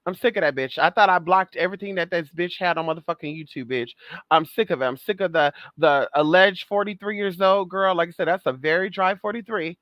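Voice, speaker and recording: A woman's voice: lowish voice, fairly quick, a bit bright, no room sound. A trans woman vlogging in a sassy, profane monologue, calling listeners girl, honey and baby and repeating phrases for emphasis. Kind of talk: casual monologue rant.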